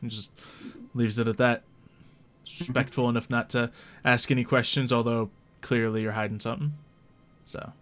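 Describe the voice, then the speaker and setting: A man's voice: mid-range voice, level tone, moderate pace, pauses often, a bit bright. A man acting as game master, narrating a tabletop roleplay in an easygoing, conversational way.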